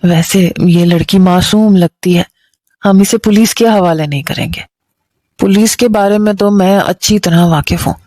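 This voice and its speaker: A woman voicing a soft-hearted middle-aged mother with a motherly, reproachful manner. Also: medium pitch, fairly even intonation, normal speed, no room sound, clean studio sound, lightly acted. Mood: kindly.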